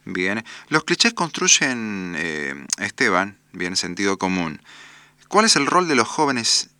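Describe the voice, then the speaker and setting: A man hosting a radio interview, briskly steering the questions. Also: on the low side, big pitch swings, sharp tone, smooth, no room sound. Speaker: radio host.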